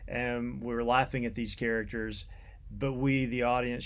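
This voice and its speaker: A man giving an unscripted academic literature lecture in a halting, deliberate way, repeating words as he explains. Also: mid-range voice.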